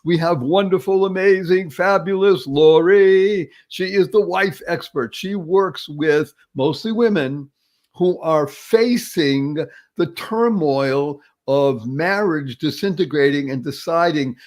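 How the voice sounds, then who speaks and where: A man's voice: a little high, slow, a little mellow. A man hosting an online talk show in a showy, upbeat style, stringing together alliterative praise.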